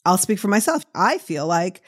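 Woman, podcast host, conversational, lower pitch. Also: very animated, normal speed. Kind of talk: podcast interview.

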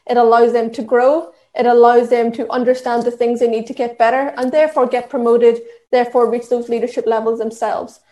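A woman's voice: a little high, little pitch movement, fairly quick, few pauses, mellow, reverberant. A woman with an Irish accent giving an earnest training talk on allyship, with frequent fillers and restarts. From Ireland. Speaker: diversity and inclusion trainer. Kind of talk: talk at an online session.

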